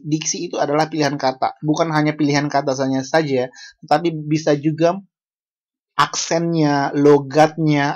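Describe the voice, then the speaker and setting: An unhurried lecturer from Bali teaches a class over a video call, pausing often to put questions to the students. Their pitch sits in the middle, and they talk slowly and deliberately, restarting words mid-sentence. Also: highs cut off. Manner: unhurried, asks the class questions, self-correcting. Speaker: university lecturer. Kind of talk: online language lecture.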